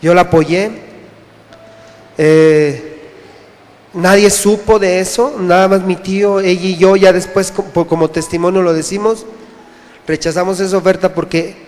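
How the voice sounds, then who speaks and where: A man from Mexico gives his testimony before a congregation, earnest and halting, stumbling over and repeating his words. His voice sits high for a man. It rings out with the long echo of a church hall. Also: fairly even intonation, darkish tone. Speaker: church member giving testimony. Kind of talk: personal testimony.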